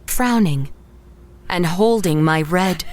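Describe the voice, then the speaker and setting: A woman playing an anxious, haunted painter who tells her own story in measured, literary horror narration. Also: lowish voice, crowd noise. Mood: brooding, haunted. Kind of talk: scripted first-person horror audio drama narration. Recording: music underneath the voice. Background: background music.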